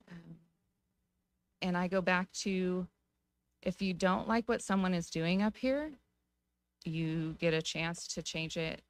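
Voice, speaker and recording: An American woman speaking as a city council member at a public meeting, giving her view in a measured, informal way. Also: on the low side. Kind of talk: deliberative public meeting remarks.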